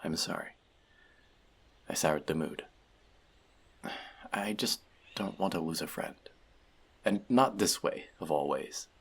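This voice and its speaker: A man's voice: deep voice, animated, slow pace, pauses often, slightly rough, heavily acted. A man playing an earnest, bookish elf outcast in an audio roleplay, confiding in a friend in a hesitant, self-doubting way. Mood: apologetic. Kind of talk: scripted audio roleplay addressed to the listener.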